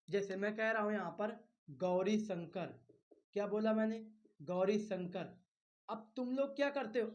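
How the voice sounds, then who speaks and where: A male teacher giving an exam-prep grammar lecture, repeating key terms, firing questions at his students and coaxing them along. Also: high-pitched. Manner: reassuring, coaxing with "bhai".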